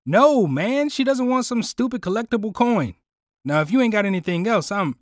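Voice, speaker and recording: Animated, breezy young hero, played by a man. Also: high voice, normal speed, dry recording, clean studio sound. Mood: dismissive. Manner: casual, slangy, expressive. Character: young, breezy, cocky male hero Ranger.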